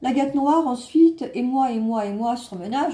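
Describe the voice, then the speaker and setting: Here a woman speaks with a dark, mellow tone. Her intonation is lively. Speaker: medium / card reader. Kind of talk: tarot-style card reading. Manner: hesitant, many fillers.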